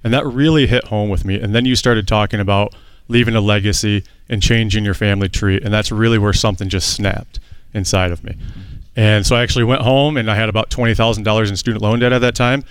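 A man's voice: fairly low pitch, steady tone, fast, clear, resonant tone, dry recording. A man in his thirties, a guest on a radio show, telling his debt-payoff story in an earnest, plain-spoken way. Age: 30s.

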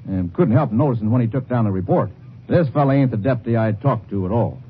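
A man's voice: medium pitch, lively intonation, fast talker, natural voice. An American man playing a folksy, plain-spoken, indignant theft victim in a 1950s radio western. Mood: deliberate, recalling. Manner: folksy, colloquial. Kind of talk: 1950s old-time radio western acting. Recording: muffled, hissy 1950s radio recording.

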